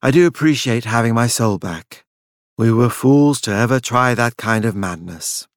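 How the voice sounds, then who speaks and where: A male narrator plays a wry, courteous storybook gentleman. He is formal and understated, at a middling pitch, in a dry recording. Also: moderate pace, smooth, no echo, close to an everyday voice. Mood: wry relief.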